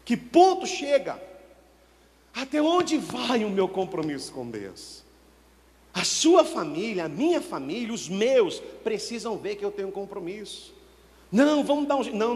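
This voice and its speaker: A pastor from Brazil preaching a sermon, with sudden swings in pitch and loudness as he acts out his church members. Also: in a large hall. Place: church hall.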